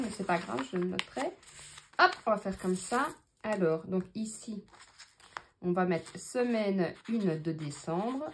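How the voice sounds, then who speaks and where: A woman's voice: medium pitch, a little hiss or hum. A woman with a Belgian French accent, chatting casually to her viewers while counting out her budget, thinking aloud with many fillers. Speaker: budgeting vlogger. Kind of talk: casual talk to camera.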